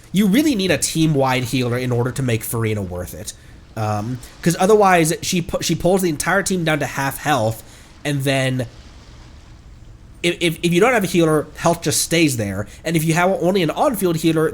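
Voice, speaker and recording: A man doing casual live gaming commentary as a streamer, talking in an excitable, rambling way. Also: fairly high pitch. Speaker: game streamer.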